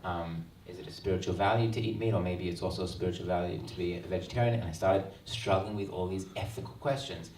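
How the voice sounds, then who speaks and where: Australian man, 30s, low and flat delivery, earnest and reflective; far-off roomy hall recording with faint ambience. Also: fast talker, hardly any pauses, slight background noise. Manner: earnest, reflective, frequent ums. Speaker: author. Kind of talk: book launch talk. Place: event hall. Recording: roomy hall sound, mic at a distance.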